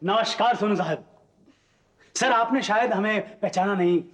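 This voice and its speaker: A man's voice: high-pitched, measured pace, fairly bright tone, slight background noise. An actor in a TV serial playing a doting, teasing father with a wistful side. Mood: playful, teasing. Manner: teasing, theatrical, mock-formal with the child. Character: playful, doting father of a young child, secretly wistful. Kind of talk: Hindi TV serial drama acting.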